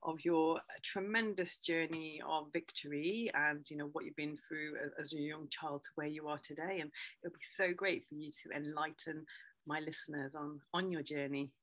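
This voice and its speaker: A woman's voice: low-pitched, steady tone, normal speed. A woman hosting an interview podcast, talking with many hesitations and fillers. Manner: warm scripted intro, then hesitant with fillers. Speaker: podcast host.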